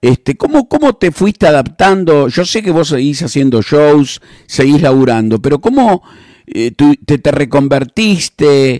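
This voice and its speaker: A man with a Rioplatense accent speaks very slowly at a fairly high pitch, with very wide pitch swings. The sound is dry and close with no echo, in a very clean recording with a silent background. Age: 60s. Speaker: radio host. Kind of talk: interview.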